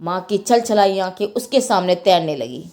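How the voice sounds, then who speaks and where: A woman narrating a scripted moral religious tale in an expressive, dramatic storytelling manner. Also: fairly low pitch, moderate pace.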